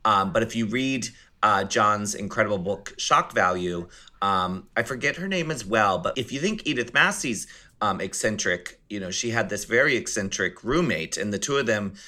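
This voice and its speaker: Bright-voiced man hosting a film chat. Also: lowish voice, expressive, moderate pace. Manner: enthusiastic, laughs often, many fillers. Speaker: podcast host. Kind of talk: casual film discussion.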